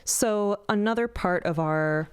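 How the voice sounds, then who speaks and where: A woman's voice: mid-range voice, unhurried, smooth. A woman, one of the show's creators, talking through the season in a casual roundtable, thoughtful and explaining at length. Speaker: podcast co-creator.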